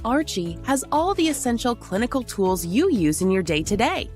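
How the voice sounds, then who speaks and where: A woman reading a polished, upbeat scripted ad for software. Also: a little high, very animated, normal speed. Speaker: ad voice-over. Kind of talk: scripted ad read. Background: music bed.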